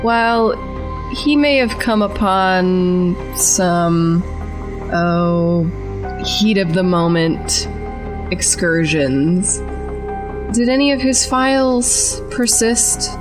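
A woman's voice: on the low side, very slow. A woman playing in an improvised tabletop roleplay podcast, asking questions in and out of character. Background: music.

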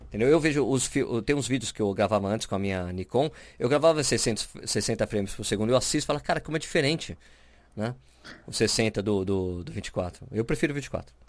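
A man's voice: fairly low pitch, lively intonation, fast, no echo. A man from Brazil co-hosting a podcast, chatting casually and explaining camera settings with lots of fillers and restarts. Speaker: podcast co-host. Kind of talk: casual chat.

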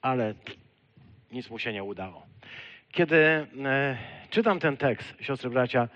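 A man's voice: animated, unhurried. Man preaching in a dull recording. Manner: earnest, rises to emphatic peaks then drops low. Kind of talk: sermon. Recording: dull lo-fi sound.

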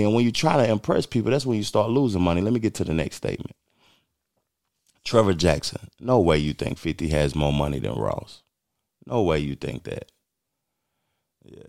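Deep-voiced man in his forties, blunt. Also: vocal fry, a little mellow, dry recording, clean studio sound. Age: 40s. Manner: blunt, emphatic, streetwise talk. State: losing his voice. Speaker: podcast host. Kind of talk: casual commentary.

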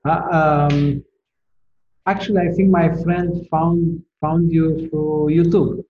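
A man talking over a phone call in a casual conversation, halting and repeating words as he searches for them. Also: on the high side, level tone. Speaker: caller speaking with a Tai Chi teacher. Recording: muffled echoey call line with faint noise.

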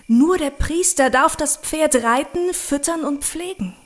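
A woman's voice: high-pitched, measured pace. An actress playing a devout, curious young woman in love in an audio drama. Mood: awed. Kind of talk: German audio drama acting.

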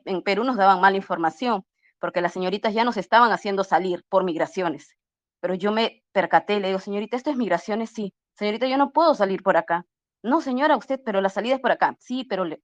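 A woman's voice: mid-range voice, no echo. Earnest woman recounting a story. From Peru. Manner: earnest, acts out dialogue while retelling, frequent restarts. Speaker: interview guest. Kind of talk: casual storytelling. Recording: slightly muffled lo-fi audio.

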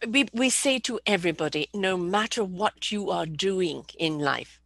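A woman hosting an interview, animated and encouraging, who laughs often while asking questions. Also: on the low side, moderate pace, gravelly, no echo. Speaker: interview host. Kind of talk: conversational interview.

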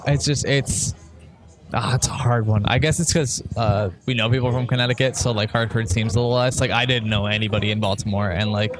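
A man's voice: medium pitch, fairly even intonation, brisk, crowd noise. A man from the Boston area chatting casually as a podcast co-host, in a blunt, rambling way. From Boston area, United States. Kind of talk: casual chat. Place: restaurant.

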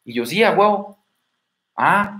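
A man with a Mexican Spanish accent talks casually to his viewers, full of slang and calling them buddy. His voice sits a little high, and the room around him is echoey. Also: lively intonation, slow, bright, forceful tone. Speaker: dating advice host. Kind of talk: casual livestream talk.

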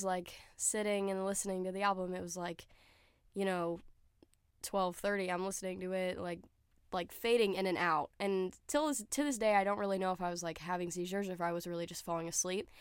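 A woman's voice: medium pitch, clean tone, no echo, clean studio sound. A young woman hosting her own podcast, talking casually and chattily with lots of fillers, sounding a little nasal and stuffy from a cold. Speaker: podcast host. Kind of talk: casual solo podcast chat.

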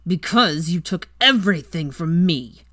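A woman's voice: fairly low pitch, expressive, a little slow, a bit bright. A woman reading a story aloud, voicing a bitter, hateful man who spits out his accusations in an angry snarl. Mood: furious. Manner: angry, spitting, vehement.

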